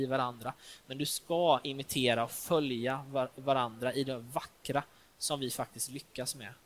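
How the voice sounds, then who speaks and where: A man's voice: medium pitch, fairly bright tone. A man preaching a sermon in a church, talking informally with fillers and restarts.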